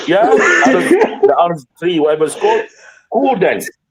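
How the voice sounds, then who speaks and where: A man speaks at a moderate pace with an Arabic accent. His pitch swings very widely. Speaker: football podcast panelist. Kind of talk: heated debate. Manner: animated.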